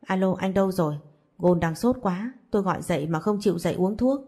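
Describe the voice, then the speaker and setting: A warm-hearted young woman, read by a woman narrator. She speaks gently and coaxingly in a low, mellow voice. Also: fairly quick, husky. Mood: caring. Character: kind, caring young woman.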